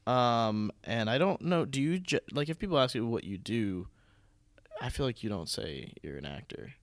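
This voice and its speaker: A man's voice: mid-range voice, lively intonation, moderate pace, dry recording, studio quality. An American man chatting casually as a podcast host, rambling a little and restarting his sentences as he goes. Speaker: podcast host and theatre producer.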